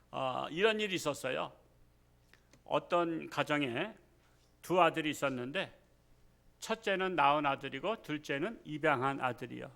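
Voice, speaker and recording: A man's voice: on the high side, vocal fry, sharp tone. A male pastor preaching a Sunday sermon, emphatic as he reads scripture and tells a story. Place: church service.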